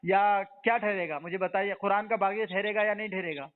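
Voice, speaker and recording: A man's voice: sits high, fairly even intonation, brisk. A man leading a heated religious debate, pressing his opponent with repeated questions and interruptions. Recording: tinny phone-line audio.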